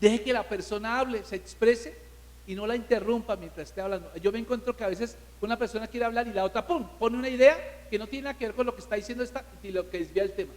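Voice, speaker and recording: High-voiced emphatic preacher in a reverberant hall. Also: male voice, quick pace. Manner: emphatic, rhetorical questions to the congregation. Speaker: pastor. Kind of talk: sermon.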